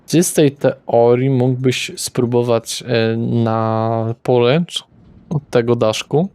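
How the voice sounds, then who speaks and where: A man's voice: mid-range voice, fairly even intonation, slow, dark tone, clear, resonant tone, dry recording. A man as game master, describing scenes loosely with fillers and self-corrections, on a home mic. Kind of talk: narrating a tabletop game.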